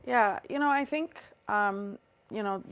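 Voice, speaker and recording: A woman's voice: mid-range voice, measured pace, a bit bright. A middle-aged woman from Trinidad and Tobago, a guest talking earnestly and reflectively in an interview, with many fillers. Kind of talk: interview conversation.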